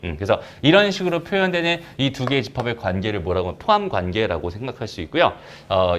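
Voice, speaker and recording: A male math teacher giving a recorded lecture. His pitch rises and falls a lot as he talks. He keeps asking the class quick questions and then answers them himself.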